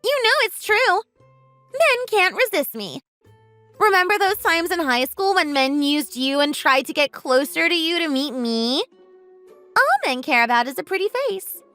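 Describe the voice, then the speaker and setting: Lady doing a smug mean girl, high and swoopy, dry close sound. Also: very animated, measured pace, bright, forceful tone, dry recording, faint music behind, full character voice. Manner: taunting, self-admiring, sing-song. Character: vain, scheming young woman, smug and mocking.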